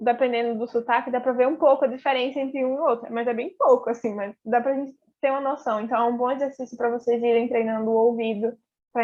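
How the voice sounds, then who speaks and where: A young woman with a fairly high voice gives students study advice in a relaxed, encouraging tone. She fills her talk with casual fillers. The sound is dull and lo-fi. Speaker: English teacher. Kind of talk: casual online class explanation. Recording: dull lo-fi audio.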